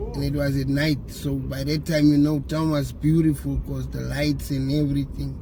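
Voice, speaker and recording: Over noticeable background noise, a man speaks with a South African accent. His pace is moderate, with hardly any pauses. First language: Afrikaans. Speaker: interviewee, former street person. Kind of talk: interview testimony. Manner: halting.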